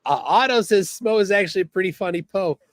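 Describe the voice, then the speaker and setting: A man hosting a livestream in a relaxed, halting way, his voice sitting a bit on the high side. He chuckles as he reads out chat messages. The sound is dry and close. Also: dry recording. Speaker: livestream host. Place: outdoors by the water.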